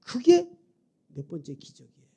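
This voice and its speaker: Gravelly, husky middle-aged male preacher. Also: very high-pitched, huge pitch swings, normal speed. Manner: dramatic, swings from hushed to loud. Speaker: revival preacher. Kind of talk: storytelling sermon.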